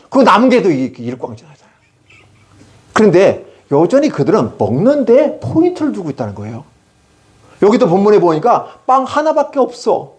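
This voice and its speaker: A middle-aged male preacher giving a sermon at a prayer retreat, telling stories and often putting questions to the congregation. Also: sits high. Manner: lively storytelling, asks the congregation questions.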